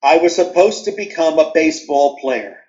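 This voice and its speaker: A man's voice: fairly high pitch, moderate pace, highs cut off. A man from New York with a New York accent, telling stories from his childhood as an interview guest and acting out scenes as he goes. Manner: animated storyteller, acts out scenes. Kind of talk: storytelling interview answers.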